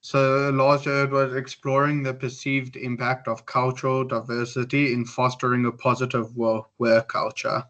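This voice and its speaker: A man's voice: mid-range voice, level tone, moderate pace, few pauses, a bit bright. A man with a South African accent, speaking politely as a student consulting his lecturer.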